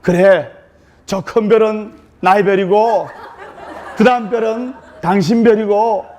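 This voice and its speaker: A man's voice: sits high, fairly even intonation, a little slow, a little mellow. A man doing a doting, theatrical Seoul groom. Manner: tender, theatrical.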